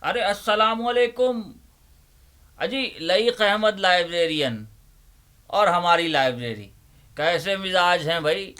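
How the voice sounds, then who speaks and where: A man acts out a fussy old neighborhood librarian with a fairly high, forceful, bright voice. He is bookish and theatrical, leaning on his phrases in the style of a dramatic stage reading. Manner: emphatic, deliberate, repeats phrases rhetorically. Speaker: host, dramatic reader of Urdu literature.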